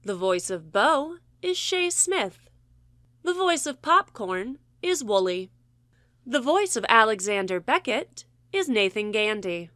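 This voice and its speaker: A woman delivers scripted announcements with lively, swooping intonation. Her voice is bright and crisp-edged and a touch high. The sound is dry, with no room to it. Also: slow pace, dry recording. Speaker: credits announcer. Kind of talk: scripted narration.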